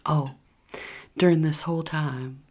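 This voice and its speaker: A woman's voice: low voice, fairly even intonation, a little slow, a little mellow, slightly rough. A woman whispering a candid personal story straight to her viewers in a chatty, conversational way. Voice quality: whispering throughout.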